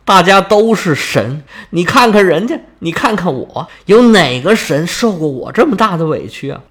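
A man plays a sea-goddess mother in a spoken storytelling tale, coaxing and whining by turns. Her pleading sways through wide swoops of pitch. She clings to every word with a tearful, insistent push. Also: expressive, fairly quick, natural voice.

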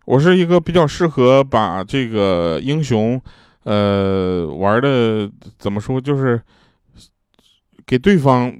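A man's voice: medium pitch, lively intonation, takes it slowly, darkish tone, smooth, no echo. Man, casual joke-telling, slangy asides, dry close sound. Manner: chatty storyteller, laughs at his own punchlines. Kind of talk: telling jokes and funny anecdotes.

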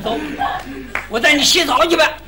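A man's voice: extremely high pitch, normal speed, shouting, a loud crowd, heavy background noise. A man leading a comic crosstalk routine, telling a tale as a stammering country bumpkin. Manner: playing a blustering country bumpkin, stammering restarts. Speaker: lead comedian in a crosstalk duo.

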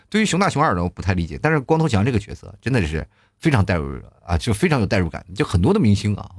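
A man in his thirties reading out viewer comments in casual chat, often shouting quoted lines in exaggerated voices. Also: fairly low pitch, slightly rough. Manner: chatty, acts out quoted lines loudly.

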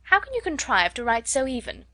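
A woman's voice: high-pitched, wildly swooping pitch, brisk, sharp tone, no echo, voice pushed up, full character voice. A woman reading as a gushing, fawning society lady. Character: flattering young society lady, eager to please.

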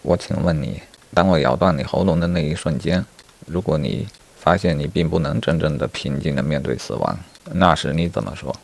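A man's voice: rumbling low, brisk, vocal fry, a little mellow, heavily acted. A man telling a story and voicing a blunt, mocking male wolf who scorns the weak.

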